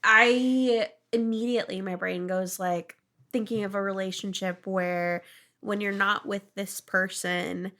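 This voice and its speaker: Female podcast co-host, mid-pitched, informal, illustrates points with vocal mimicry. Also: steady tone, a little slow, pushed and bright. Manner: mimics sounds and acts out imagined thoughts. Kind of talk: casual chat.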